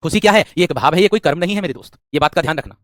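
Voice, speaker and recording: A man teaches an exam-prep grammar class, constantly posing questions and answering them himself while repeating phrases often. His somewhat high voice comes across very fast. It's recorded close and dry.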